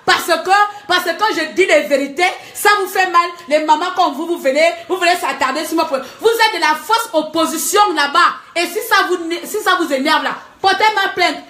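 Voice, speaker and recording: Woman vlogger, very high voice, heated scolding rant, echoey room. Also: normal speed, few pauses, bright, forceful tone. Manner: heated, scolding, laughing between jabs. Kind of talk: angry rant to camera.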